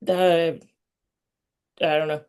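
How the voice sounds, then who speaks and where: A woman hosting a casual interview, speaking thoughtfully and often pausing mid-sentence to find her words. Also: low-pitched, little pitch movement, darkish tone, smooth. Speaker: interviewer and host.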